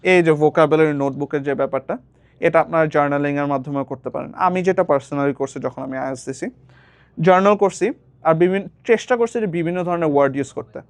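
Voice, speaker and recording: A man's voice: fairly high pitch, quick pace, smooth, no room sound. A young man, casually giving a speaking lesson as a tutor and slipping English phrases into his explanations. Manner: mixes English phrases into his talk, repeats words while explaining.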